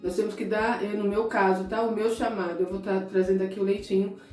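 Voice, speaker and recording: A middle-aged Brazilian woman preaches to her viewers in a direct, conversational way. She is emotional and close to tears at times, and her voice is mellow. The room is echoey, with soft guitar music behind her. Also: mid-range voice, flat delivery, fairly quick, recorded from a distance. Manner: conversational, addresses listeners directly. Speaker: evangelical preacher. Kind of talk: sermon-style talk to viewers.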